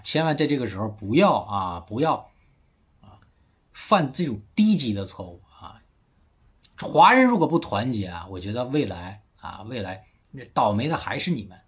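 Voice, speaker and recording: A man's voice: medium pitch, breathy edge. A man from China giving a casual political commentary monologue as a vlogger, emphatic and mocking, full of rhetorical tag questions. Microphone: phone.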